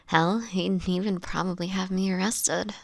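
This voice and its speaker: Woman acting a slow, hushed, sickly vampire woman. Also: on the low side, fairly even intonation, dry recording. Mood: wry, fond. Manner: soft, breathy, hushed, slightly formal old-fashioned phrasing. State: sickly, frail, with coughs. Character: sickly homeless vampire woman, gentle, world-weary, protective friend. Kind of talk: scripted audio roleplay drama, speaking intimately to listener.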